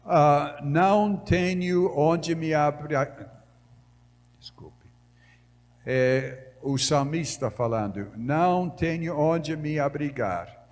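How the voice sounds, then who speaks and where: A man preaching in Portuguese with a Brazilian Northeastern accent, a missionary whose first language is English, delivering a measured sermon in a church. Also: on the high side. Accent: Brazilian Northeastern Portuguese, as a foreign speaker. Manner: slow, measured preaching that grows louder when reading scripture. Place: large church hall. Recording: reverberant church hall.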